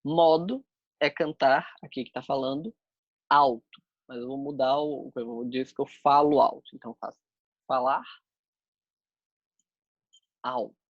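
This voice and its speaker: A man's voice: mid-range voice, fairly even intonation, moderate pace, dry recording, dull audio. A man teaching a sign language class, explaining step by step as he demonstrates the signs.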